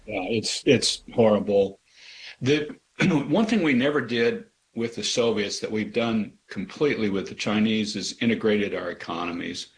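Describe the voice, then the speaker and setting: A man's voice: normal speed, slight background noise. A man from Kansas, an author answering interview questions in an earnest way that turns emphatic. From Kansas, USA. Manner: earnest, grows emphatic with sharp pitch rises. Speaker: author guest.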